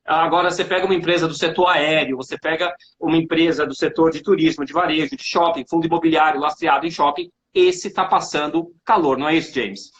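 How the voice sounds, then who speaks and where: A man's voice: a little high, fairly even intonation, quick pace, few pauses, a bit bright. A man from Brazil hosting a casual live finance chat, friendly and joking as he talks over a video call. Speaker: host and finance professor. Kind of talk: casual live-stream interview.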